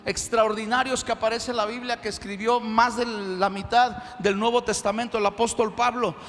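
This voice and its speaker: A man preaching a sermon as pastor, emphatic and animated, in a church. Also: high-pitched, moderate pace, in a large hall.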